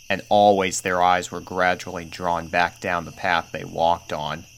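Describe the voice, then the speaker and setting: A man reading a scripted spooky story aloud as narrator, with a measured, suspenseful storytelling delivery. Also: deep voice, fairly bright tone, slight background noise. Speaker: fan fiction narrator.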